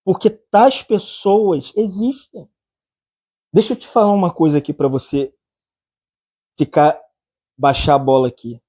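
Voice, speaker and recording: A man's voice: fairly high pitch, steady tone, measured pace, long pauses, mellow, husky. A man with a Brazilian accent preaching a humorous sermon, joking, laughing often and acting out anecdotes.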